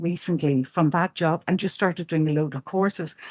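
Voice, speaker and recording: Woman with a Dublin accent, fairly low pitch, ordinary pitch variation and moderate pace, in a dry, close recording with no echo, very clean and with a silent background. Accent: Irish (Dublin). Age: 60s. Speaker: singer and actress. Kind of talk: casual interview chat. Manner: halting, many restarts.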